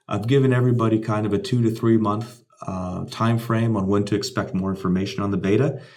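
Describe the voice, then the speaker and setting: Amid audible room echo, a man with a medium pitch speaks at a fairly quick pace with fairly even intonation and hardly any pauses. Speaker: company CEO giving investor update. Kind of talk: weekly business update video. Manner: fast.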